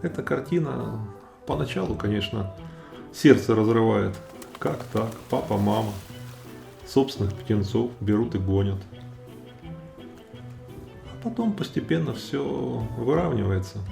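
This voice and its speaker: Mellow, gravelly man narrating nature. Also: on the low side, animated, unhurried, pauses often. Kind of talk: calm explanatory nature commentary. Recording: roomy echo, faint music behind.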